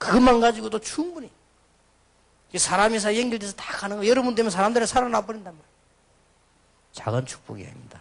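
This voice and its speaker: Rushing at a very fast pace, a high-pitched man shows ordinary pitch variation and big swings in loudness, with long, frequent pauses. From South Korea, Busan. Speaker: pastor. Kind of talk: sermon.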